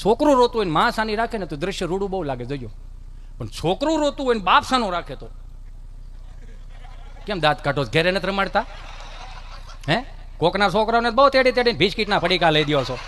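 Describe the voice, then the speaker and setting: A man telling folk comedy stories on stage, animated and putting on voices. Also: sits high, quick pace, long pauses, slight background noise. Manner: animated, acts out voices, rustic asides. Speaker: stand-up comedian. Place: live stage show.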